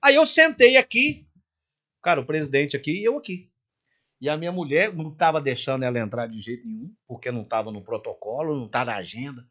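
A podcast guest, the older singer from Minas Gerais, Brazil, speaks in a Mineiro accent as he acts out every bit of dialogue in an animated tale. He talks fairly quickly at a medium pitch.

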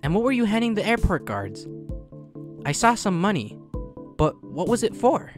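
A man's voice: sits high, sing-song, normal speed. Man voicing an earnest teenage boy over music. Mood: flustered, wary. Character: polite, easily flustered teenage boy narrating his mission. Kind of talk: fan-dub narration and dialogue. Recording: music behind the voice.

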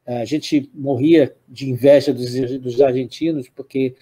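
A man's voice: medium pitch, steady tone, unhurried, warm tone, husky. A Brazilian man, older, hosting a music program and talking unscripted, rambling with frequent restarts and tag questions. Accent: Brazilian Portuguese. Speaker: music show host. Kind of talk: unscripted spoken commentary.

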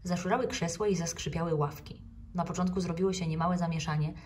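A woman, an actress, reading a children's book aloud in a calm, measured way. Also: fairly low pitch, recorded from a distance, a little hiss or hum.

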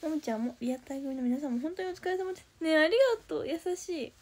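A woman's voice: sits high, very fast. A young woman, sleepless after no night's rest, chatting casually on a phone livestream, thanking viewers in a chirpy voice and sometimes whispering. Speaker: idol trainee livestreamer. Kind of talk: casual livestream chat reading viewer comments. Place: indoors at home.

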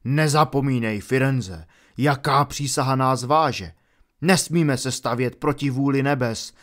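A man doing a booming, furious centaur. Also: lightly acted. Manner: booming, scolding. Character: proud angry male centaur, stern and scornful. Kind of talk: audiobook character voice.

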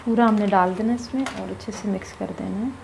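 A woman cooking in her home kitchen, calmly explaining each step of a recipe to her viewers as she stirs at the stove. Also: medium pitch, brisk, gravelly, background noise. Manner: calm, instructive, addresses viewers directly. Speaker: cooking vlogger.

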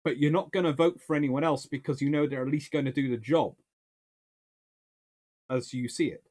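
Man, British accent, 30s, slightly high voice, rambling explanations, small study, desk camera. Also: normal speed, darkish tone. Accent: British English. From United Kingdom. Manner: rambling, with many restarts and emphatic gestures. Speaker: naval historian answering viewer questions. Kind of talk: casual explanatory talk. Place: small study lined with bookshelves, indoors. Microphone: webcam-style framing at desk.

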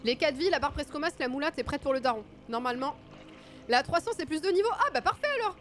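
A woman's voice: high-pitched, fast talker, a little hiss or hum. Chatty woman gaming streamer with a cold. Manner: chatty, self-mocking. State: stuffy nose from a cold. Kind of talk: casual live-stream commentary.

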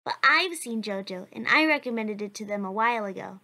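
A woman's voice: medium pitch, expressive, a little fast, bright, forceful tone. A woman voicing a kind, cheerful, determined young child in a cartoon comic dub, with an earnest, chatty manner. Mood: upbeat, chatty.

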